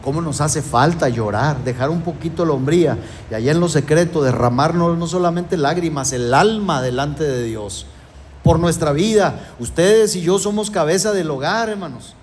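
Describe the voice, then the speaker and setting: A pastor delivers an emphatic sermon in a high-pitched male voice, turning often to his listeners as brothers. A faint hiss of noise runs under the recording. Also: moderate pace, a little mellow. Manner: emphatic preaching, repeatedly addressing the congregation as brothers.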